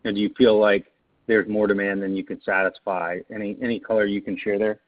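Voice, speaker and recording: A man asking questions as a financial analyst on a conference call, somewhat halting. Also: on the low side, flat delivery. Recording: tinny narrow phone line.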